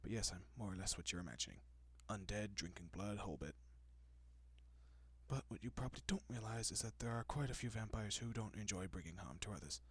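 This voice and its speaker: A man playing a gentle, courteous, possessive vampire in an intimate audio roleplay, speaking softly and often dropping to a whisper with hushed reassurance. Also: fairly low pitch, expressive, fairly quick, breathy edge, no echo. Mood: calm, apologetic. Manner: hushed, reassuring, politely old-fashioned.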